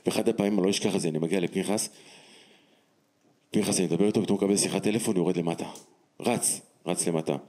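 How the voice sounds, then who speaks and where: A man telling a personal story as testimony, animated and emphatic, acting out the dialogue as he goes. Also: low voice, pauses often.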